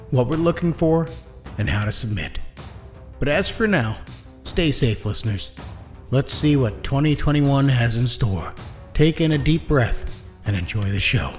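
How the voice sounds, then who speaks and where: A man hosting a podcast, reading a scripted introduction to listeners. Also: mid-range voice. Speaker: podcast host and announcer. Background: faint music.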